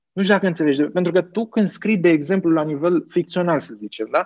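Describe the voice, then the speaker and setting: A man speaks at a high pitch with ordinary pitch variation. The recording is dry and close, free of echo. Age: 30s. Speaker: writer and marketer. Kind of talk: casual chat.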